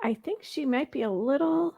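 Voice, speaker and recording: A woman's voice: high-pitched, moderate pace, highs cut off. A woman co-hosting a talk show, speaking in a casual panel discussion.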